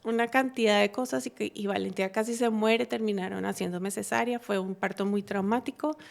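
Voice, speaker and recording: A woman tells her personal story of faith as a talk show guest. She speaks earnestly at a mid pitch, pausing often and restarting her sentences as she searches for words. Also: fairly even intonation, creaky. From Colombia. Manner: halting, many fillers and restarts, earnest. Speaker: guest giving a testimony.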